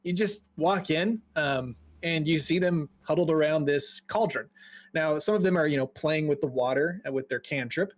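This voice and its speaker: A man with a somewhat high voice running a tabletop game as game master. He narrates scenes in a loose, casual way, full of fillers. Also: moderate pace.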